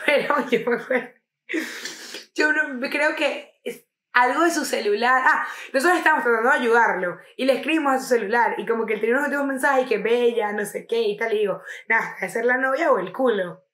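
A young Venezuelan woman co-hosting a podcast, telling stories in animated, slangy casual chat with plenty of swearing. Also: a little high, a little fast, roomy sound. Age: young adult. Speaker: podcast co-host.

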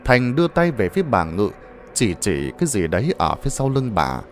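A man's voice: on the low side, big pitch swings, normal speed, soft background music. A man narrating a ghost story in a dramatic, suspenseful manner.

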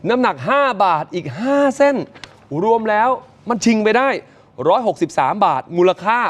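A man presenting morning news, retelling events in a lively, chatty way and addressing viewers directly. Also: sits high, moderate pace.

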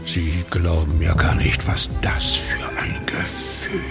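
Gravelly, gloating werewolf villain. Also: male voice, deep voice, little pitch movement, takes it slowly, over loud music, full character voice. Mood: gloating, mocking. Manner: theatrical, mockingly polite, savoring words. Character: sadistic werewolf clinic director, gloating, mannered villain. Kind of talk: German horror audio drama acting.

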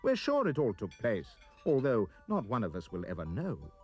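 A man reading a rhyming children's poem aloud as an expressive storyteller. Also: normal speed, muffled recording, soft background music. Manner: expressive storyteller, swooping pitch. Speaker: reader.

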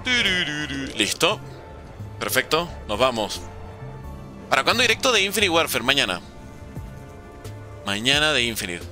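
A man's voice: mid-range voice, big pitch swings, normal speed, long pauses, pushed and bright, faint music behind. A nineteen-year-old man from Venezuela, a gaming streamer chatting casually and joking sarcastically while answering viewers. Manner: joking and sarcastic while reading chat questions. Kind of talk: casual livestream commentary.

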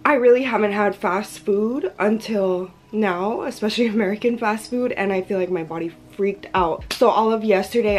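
A young woman in her twenties talks through a travel vlog in an easy, chatty way. Her voice is hoarse and worn, and she rambles on, slipping small laughs in between her phrases. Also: mid-range voice. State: hoarse, lost voice. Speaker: travel vlogger. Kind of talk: casual vlog voice-over and to-camera talk.

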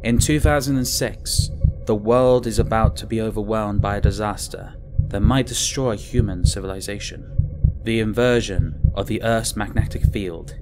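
A man reading an audiobook in a measured, dramatic manner. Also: lowish voice, over music. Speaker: audiobook narrator. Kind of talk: scripted audiobook narration.

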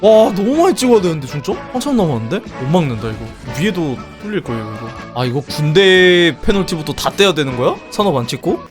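A man's voice: on the high side, sing-song, fast talker, few pauses, over music. A young man commenting on a strategy game as a streamer, exclaiming and swearing casually.

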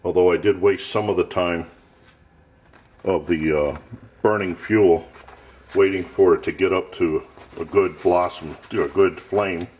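Low-voiced man narrating a stove test. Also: fairly even intonation, measured pace, long pauses, darkish tone, dull audio. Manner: plain, matter-of-fact, thinking aloud. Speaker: gear tester. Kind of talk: casual off-camera demo narration. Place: cluttered home workshop.

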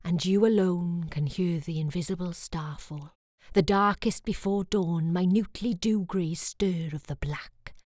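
A woman with a Welsh accent reads poetic prose as a hushed, measured dramatic narrator, often dropping close to a whisper. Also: on the low side, no room sound. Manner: hushed, measured, breathy drops to near whisper. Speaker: voice-over actress.

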